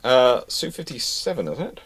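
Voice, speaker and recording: Male live-stream host, bright forward voice, stammering explainer who often rephrases, close dry sound. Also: medium pitch, big pitch swings, husky, no echo. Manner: halting, stammering, circles back to rephrase. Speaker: host answering audience questions. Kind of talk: live question-and-answer talk on military history and current affairs.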